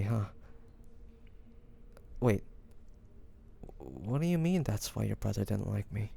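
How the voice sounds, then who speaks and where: A man playing a devoted young lover in an intimate romantic fantasy audio roleplay, speaking softly and haltingly with great affection. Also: fairly low pitch, vocal fry. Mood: happy, teasing. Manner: soft, hesitant, affectionate, halting phrases.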